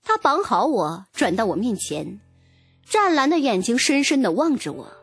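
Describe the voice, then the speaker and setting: A woman giving an expressive, dramatic first-person audiobook narration. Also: fairly high pitch, normal speed, slightly rough, no room sound, clean studio sound, soft background music.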